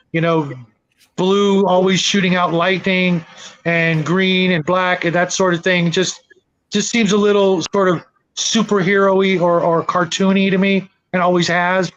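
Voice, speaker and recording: A man talking casually in a panel discussion, halting and often repeating his words as he thinks aloud. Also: sits high, level tone, a bit bright. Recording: dull lo-fi audio.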